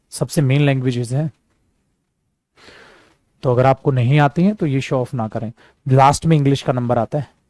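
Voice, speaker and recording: A man from India teaching a spoken English class, lively and emphatic, switching freely between Hindi and English and slowing right down to spell out his example sentences. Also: a little high, no room sound. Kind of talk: classroom lesson, explaining at a board.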